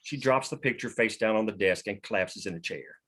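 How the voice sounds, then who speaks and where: A man's voice: fairly low pitch, a little fast, fairly bright tone. A man reading scripted stage directions as the narrator of a screenplay table read.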